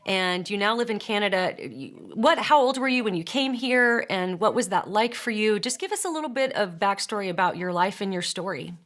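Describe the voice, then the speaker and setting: A woman hosting a podcast interview, introducing her guest in a warm, complimentary and clear way. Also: mid-range voice, expressive, fairly quick, hardly any pauses. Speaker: host.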